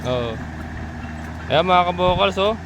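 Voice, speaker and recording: A man's voice: sits high, animated, slow pace. Chatty man touring land outdoors. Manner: chatty, points things out to viewers, laughs often. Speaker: vlogger giving a land development tour. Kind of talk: casual walking tour vlog. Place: outdoors at a rural lot by a road. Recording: outdoor phone recording with loud traffic noise.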